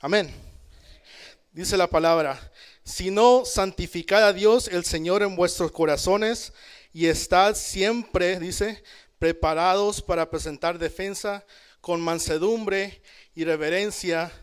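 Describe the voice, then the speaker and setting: A preacher from El Salvador, speaking slowly in a high, clean-toned voice, teaches a Bible study to a church congregation in Canada. His style is conversational; he calls out amen and checks in with his listeners.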